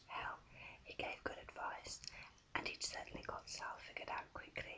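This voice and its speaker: Someone is whispering at a moderate pace against noticeable background noise. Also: woman. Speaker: ASMR artist, author reading from her own book. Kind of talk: ASMR whisper reading of a novel. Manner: whispered, soft, relaxing.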